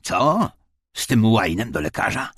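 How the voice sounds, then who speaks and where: A man's voice: fairly low pitch, very animated, measured pace, fairly bright tone, breathy edge, pitched above the performer's own voice, full character voice. Man acting a brutal barking Nazi guard. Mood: barking contempt. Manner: barking, contemptuous.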